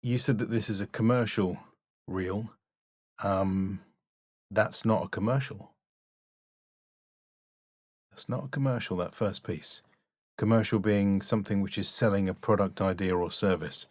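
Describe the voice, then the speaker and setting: A low-pitched man speaks as a voice-over coach, recorded close and very dry. He critiques bluntly and instructively, stressing points in short, emphatic remarks. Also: fairly even intonation, measured pace, pauses often, darkish tone, no echo. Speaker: voice-over coach reviewing demo reels.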